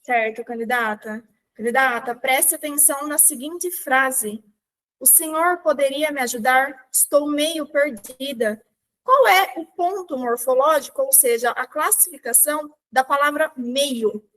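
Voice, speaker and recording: High-voiced Brazilian woman examiner. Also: a bit bright. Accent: Brazilian Portuguese. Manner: measured, deliberate dictation of questions. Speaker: examiner in a mock oral exam. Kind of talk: formal exam questioning.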